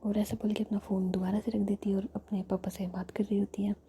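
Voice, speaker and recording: Breathy whispering woman storyteller. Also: mid-range voice, quick pace. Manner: soft whisper throughout, flat delivery.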